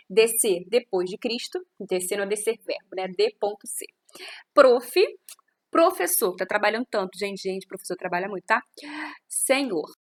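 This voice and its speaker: A woman from Brazil records a teaching lesson close to the microphone. Her voice sits a little high and sounds bright and clear. She explains step by step and keeps checking in with her listeners. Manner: explanatory, frequent tag questions. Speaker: Portuguese teacher.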